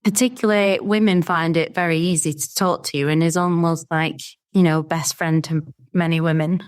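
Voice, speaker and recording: A woman's voice: low-pitched, steady tone, normal speed, clear, resonant tone. A woman in her thirties chatting casually as a podcast guest. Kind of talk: casual interview chat.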